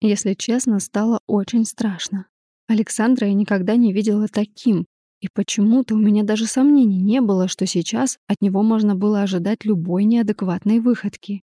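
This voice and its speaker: Woman reading an audiobook in first person, steady measured, dry close mic. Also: mid-range voice, no echo. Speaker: audiobook narrator.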